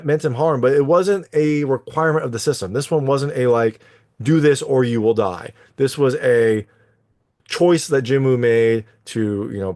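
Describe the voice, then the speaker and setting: A man's voice: medium pitch, darkish tone. A man giving a casual spoken recap and review of an anime, full of conversational fillers.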